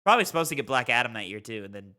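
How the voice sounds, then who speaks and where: Animated, bright-voiced man bantering. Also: mid-range voice, racing. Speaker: podcast co-host and quiz contestant. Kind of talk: casual movie quiz banter.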